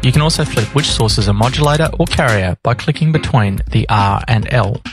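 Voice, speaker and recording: A man reading scripted instructional narration in a measured, explanatory manner. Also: medium pitch, over music. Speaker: tutorial narrator.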